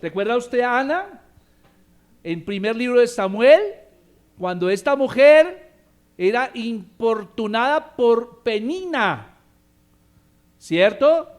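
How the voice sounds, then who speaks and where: A man's voice: extremely high pitch, animated, slow pace, pauses often. A male pastor with a Colombian accent, preaching emphatically and calling on the congregation to respond. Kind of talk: sermon.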